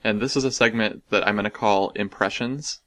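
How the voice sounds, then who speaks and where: A man's voice: lowish voice, a little fast, fairly bright tone, no echo. An American man hosting a casual podcast, rambling and self-deprecating, laughing often. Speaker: podcast host.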